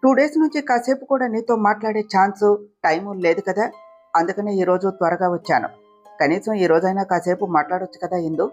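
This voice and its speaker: Storybook figure: gentle teasing young husband, read by a woman, breathy tone. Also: medium pitch, brisk, faint music behind, natural voice. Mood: tender.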